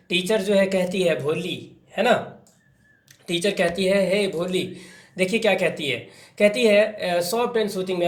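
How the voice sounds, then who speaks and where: High-voiced man explaining a lesson. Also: echoey room. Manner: reads English lines slowly, then explains with many fillers. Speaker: English teacher. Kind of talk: explaining a textbook story in Hindi.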